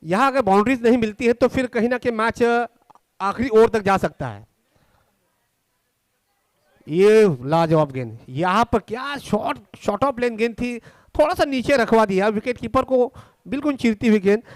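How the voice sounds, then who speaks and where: An Indian man giving excited live ball-by-ball cricket commentary, often repeating the score. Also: very high-pitched, normal speed, no room sound.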